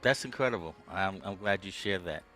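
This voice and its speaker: A man hosting a podcast, chatting casually with his guest in a relaxed, conversational way from his own studio setup. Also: sits low, fairly quick, soft background music, poor audio. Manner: relaxed, conversational, with frequent "um" and "okay". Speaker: podcast host. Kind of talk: casual interview chat. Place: home music studio.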